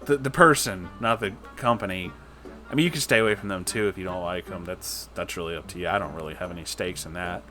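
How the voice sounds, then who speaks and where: A man's voice: lowish voice, pushed and bright. A man hosting in a casual, rambling, informal style, chatting to viewers with joking asides and some swearing. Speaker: host reading and reacting to stories.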